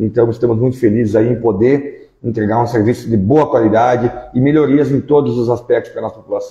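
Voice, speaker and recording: A man's somewhat breathy, dark and mellow voice, very fast with hardly any pauses and fairly even intonation, over a quiet background with audible room echo. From southern Brazil. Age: 30s. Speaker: acting mayor. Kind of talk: interview. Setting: city hall. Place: office. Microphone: lapel.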